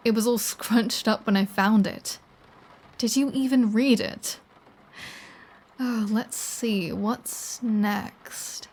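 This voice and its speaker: A woman acts out a playful, dangerous vampire woman in an intimate ASMR audio drama. Her voice sits a little high and she speaks very unhurriedly. She is flirty and sardonic, teasing her listener with an undercurrent of threat. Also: steady tone, slow pace, darkish tone. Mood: teasing, nosy. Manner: teasing, sardonic, lingering delivery. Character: flirty, playful, threatening adult female vampire toying with a hunter. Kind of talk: scripted ASMR audio roleplay, one-sided conversation.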